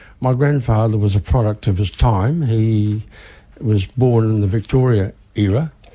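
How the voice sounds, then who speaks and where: The speaker has a New Zealand accent and a dark, mellow, somewhat breathy tone. The pace is moderate, with ordinary pitch variation. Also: man. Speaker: dance club president. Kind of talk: radio interview.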